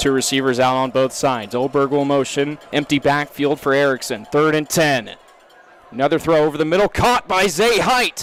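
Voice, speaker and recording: Over music in the background, a man speaks at a moderate pace with a fairly high pitch and ordinary pitch variation. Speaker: high school football play-by-play broadcaster. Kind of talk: live sports play-by-play commentary.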